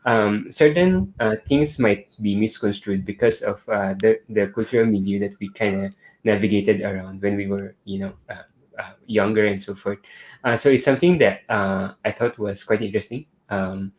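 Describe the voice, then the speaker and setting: A man's voice: fairly low pitch, normal speed, darkish tone, poor audio. Chatty man, filler-heavy. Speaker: panel guest. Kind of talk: casual discussion.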